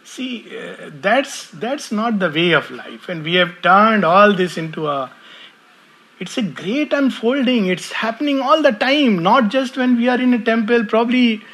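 A man gives a relaxed spiritual talk, weaving in stories and small chuckles. His voice sits a little high for a man and carries a husky, breathy grain. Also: normal speed. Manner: chuckles often while storytelling. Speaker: spiritual speaker.

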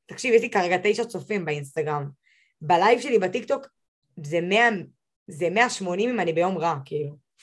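Animated young woman giving eager advice. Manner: animated and emphatic, rising high when giving advice. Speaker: podcast guest, social media expert. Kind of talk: casual podcast conversation.

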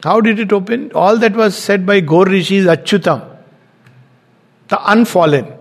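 A man's voice: high voice, normal speed, gravelly. A man giving a spiritual teaching talk, explaining his points step by step. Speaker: spiritual lecturer.

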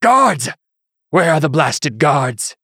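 A man voicing a pompous middle-aged bishop who blusters and pleads in a shrill, strained voice. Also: animated, moderate pace, breathy edge, no room sound, studio quality. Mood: shaken indignation.

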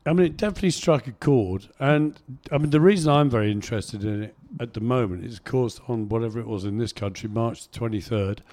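A middle-aged man hosting a conversational radio interview, with halting, self-correcting phrasing. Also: mid-range voice, a little mellow. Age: middle-aged or older. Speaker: radio host.

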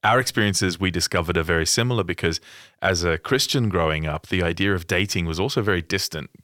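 A very deep-voiced man hosts a casual podcast chat, speaking in a thoughtful, measured way. His voice comes through close and dry. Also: a bit bright, no room sound. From Australia. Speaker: podcast host.

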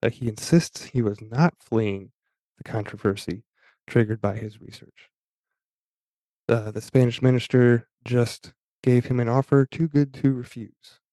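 A man hosting a podcast, talking in a halting, casual way and often stopping to restart his sentences. His pitch stays level with little movement, and his voice has a mellow, dark tone. The recording is close and dry. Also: steady tone, dry recording. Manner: halting, many fillers and restarts. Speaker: podcast host. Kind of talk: casual talk reading aloud from an article.

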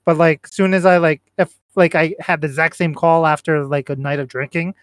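A man's voice: fairly high pitch, fairly even intonation, brisk, no room sound, studio quality. A man chatting casually on a podcast with friends, rambling through stories with restarts and jokes. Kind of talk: casual chat.

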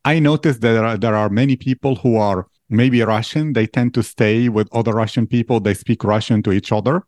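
Male host, slightly low pitch, inquisitive and wordy, dry room. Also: fairly quick, a little mellow, no echo. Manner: inquisitive, long wordy questions. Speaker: interview host. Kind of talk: interview questions.

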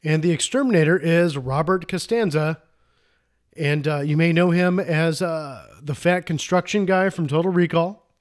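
A man's voice: on the high side, normal speed. A man co-hosting a casual movie podcast, recapping the plot in a rambling, enthusiastic way with frequent restarts. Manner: rambling, self-interrupting, enthusiastic. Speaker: podcast co-host.

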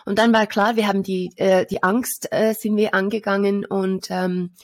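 A woman's voice: mid-range voice, level tone, moderate pace, dry recording. Woman coach, casual chat, dry room, thoughtful with restarts. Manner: thoughtful, many fillers and restarts. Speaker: visualization coach, podcast co-host.

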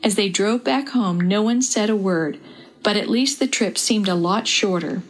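Woman reading a kids story, steady warm voice, middle pitch. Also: normal speed, poor audio. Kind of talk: dramatized children's story reading.

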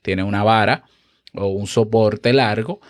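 A man hosting a podcast lesson, explaining with animated energy and often checking in with the listener on a close microphone. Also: on the low side, measured pace, no room sound. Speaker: podcast host and instructor. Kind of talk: instructional podcast talk. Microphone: close studio microphone with compressor.

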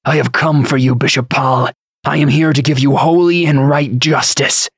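A righteous holy knight out for vengeance in an audiobook, played by a male narrator. He is grim, intense and threatening, in a mid-pitched voice. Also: fairly even intonation, moderate pace, slightly rough, dry recording, studio quality. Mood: righteous menace. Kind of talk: audiobook character acting.

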